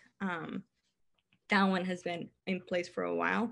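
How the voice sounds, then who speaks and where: A woman's medium-pitched voice with a Cuban accent. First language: Spanish. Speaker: therapist and content creator. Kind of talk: casual interview chat.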